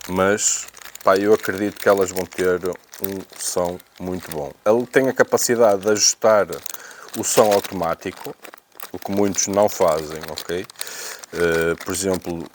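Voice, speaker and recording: Low-pitched Portuguese man, casual unboxing. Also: steady tone, measured pace, slight background noise. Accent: European Portuguese. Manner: hesitant, repetitive, thinking aloud. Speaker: unboxing video presenter. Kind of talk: casual unscripted product review.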